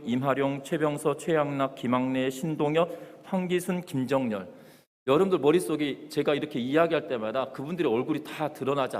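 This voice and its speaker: Korean pastor preaching in a reverberant church. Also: male voice, fairly high pitch, a little mellow. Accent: Jeolla. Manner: conversational with fillers and joking asides. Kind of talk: sermon. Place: church sanctuary.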